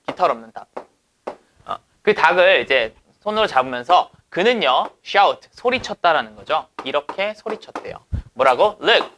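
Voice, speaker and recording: Lively, bright-voiced male teacher. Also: a little high, a little hiss or hum. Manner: asks rhetorical questions and answers them. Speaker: English teacher. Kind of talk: lecture explaining exam passages.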